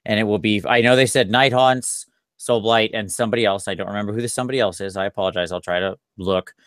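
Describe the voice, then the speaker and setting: A man's voice: on the low side, fairly even intonation, quick pace, fairly bright tone, dry recording. Tired man, casual podcast host, rambling, self-deprecating, dry close sound. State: tired after a long day. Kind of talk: casual chat.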